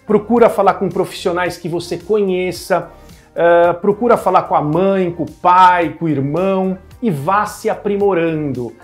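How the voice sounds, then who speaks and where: A man with a Brazilian Portuguese accent giving direct, encouraging tips on speaking as a media columnist; his voice is not deep. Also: moderate pace, faint music behind. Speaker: media columnist and communication coach. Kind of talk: instructional talk to camera.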